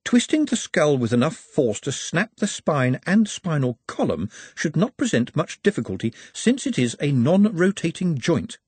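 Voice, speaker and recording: Here is a gentle-mannered orc, all formal courtesy and exact reckoning, speaking a touch higher than the teller's usual voice, as a man puts him on. The tone stays slightly husky and close, with no room around it. He sounds calmly menacing. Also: normal speed, few pauses, no room sound. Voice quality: formal, polite, pedantic phrasing. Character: courteous, precise male orc, menacingly calm.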